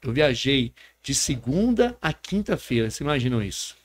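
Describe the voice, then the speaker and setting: His voice is medium-pitched with big pitch swings and a moderate pace. As a podcast guest, the Brazilian Portuguese-accented pastor recounts his testimony earnestly, frequently adding a tag question.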